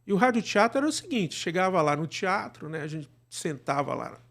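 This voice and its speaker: Higher-pitched Brazilian man explaining in conversation. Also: very animated, a little fast, gravelly, a bit bright. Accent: Brazilian Portuguese. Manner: explanatory, often checks in with tag questions. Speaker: guest, radio drama producer. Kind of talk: conversational explanation in a live interview.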